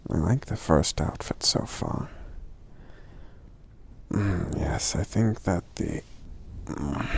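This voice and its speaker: A man playing a kindly, considerate giant friend in a soft-spoken ASMR roleplay, gentle and hesitant, murmuring with thoughtful hums in a gravelly half-whisper. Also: low voice, full character voice. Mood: thoughtful, curious.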